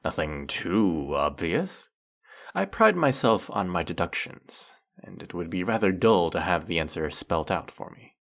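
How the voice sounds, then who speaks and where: A man's voice: low voice, sing-song, a little slow, vocal fry, fairly bright tone, exaggerated voice. A man playing a teasing, sarcastic, flirtatious male faerie in a scripted roleplay monologue, scolding the listener with dry, theatrical playfulness. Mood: teasing, curious.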